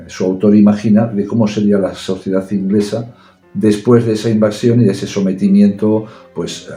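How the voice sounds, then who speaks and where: A man talks about literature as a guest, explaining ideas carefully and pausing on fillers. His voice is low and very dark in tone. The room is echoey, with faint music playing behind. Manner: measured, explanatory, with hesitations. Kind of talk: casual chat about books.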